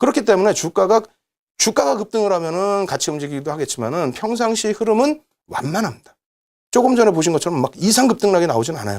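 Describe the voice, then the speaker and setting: At a fairly quick pace, a man speaks high in pitch, his voice swinging very widely up and down. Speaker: stock market instructor. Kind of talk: lecture. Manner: fast.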